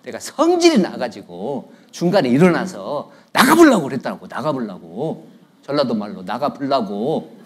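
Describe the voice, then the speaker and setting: A man's voice: medium pitch, wildly swooping pitch, moderate pace, slightly rough. A middle-aged man, preaching a conversational sermon as a guest pastor in a church, joking and telling stories while he keeps prompting the congregation for replies. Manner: joking, storytelling tone. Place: church sanctuary.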